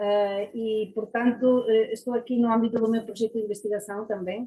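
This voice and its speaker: The woman's voice is fairly high. She talks at a moderate speed with a monotone, flat intonation. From Galicia, Spain. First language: Galician/Spanish (speaking Portuguese). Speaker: university researcher. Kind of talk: conference presentation. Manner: halting, many fillers and restarts.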